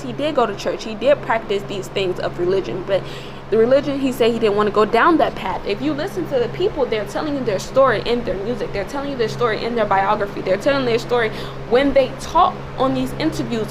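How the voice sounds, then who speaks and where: A woman with a slightly raspy, cracking voice giving informal, preachy commentary in an emphatic, repetitive way as a video creator. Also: a little high, fairly quick, noisy background. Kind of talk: informal spoken commentary with religious exhortation.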